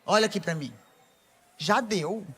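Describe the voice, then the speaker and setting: A woman with a Brazilian Portuguese accent preaching a lively sermon to a women's audience, playful and teasing, speaking straight to the crowd. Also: mid-range voice, a little slow, breathy edge.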